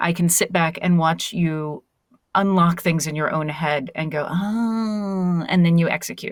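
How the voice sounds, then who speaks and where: A woman with a fairly low pitch and ordinary pitch variation has an unremarkable speaking voice. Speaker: audiobook narrator and author. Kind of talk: casual interview conversation.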